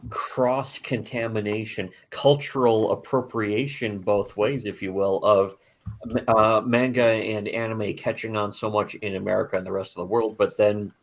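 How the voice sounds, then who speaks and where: A man's voice: on the low side, fairly even intonation, moderate pace, slight background noise. A man chatting casually as a guest, thoughtful and a bit hesitant. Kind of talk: casual chat.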